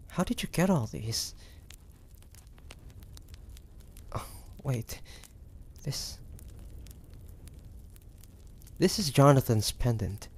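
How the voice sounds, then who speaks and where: Guy playing a suspicious old-time demon hunter in an audio roleplay, slow and gravelly, stubborn, kinda halting. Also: medium pitch, a little mellow, exaggerated voice. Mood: shaken, subdued. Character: wary, stubborn male demon hunter of the 1850s. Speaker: voice actor. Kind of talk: dramatic roleplay audio acting.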